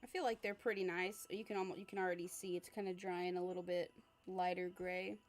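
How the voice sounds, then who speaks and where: A young woman livestreaming as an art creator, chatting casually and answering viewer comments while she sketches, with a relaxed, rambling manner. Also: fairly low pitch, a little fast. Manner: frequent fillers and laughs, relaxed.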